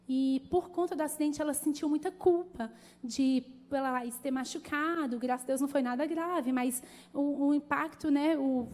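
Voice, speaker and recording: A woman pastor preaches in a high, mellow voice, chatting with the congregation and calling out to them. Her voice carries a long church-hall reverb. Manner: conversational, animated preaching with calls to the congregation. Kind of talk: sermon.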